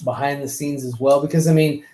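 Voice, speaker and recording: Halting man in an echoey room. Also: a little high, fairly even intonation, mellow. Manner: halting, rambling, repeats words. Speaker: panelist on a fan talk show. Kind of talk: casual opinionated film chat.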